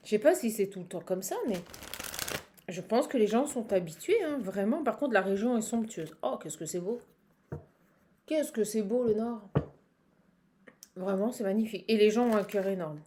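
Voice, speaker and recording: With a medium-pitched, mellow voice and lively intonation, a Parisian-accented woman reads cards at a moderate pace for her viewers. The tarot reader and channel host keeps it casual and improvised, chatty and exclamatory, repeating herself and cutting off mid-thought, with slight background noise.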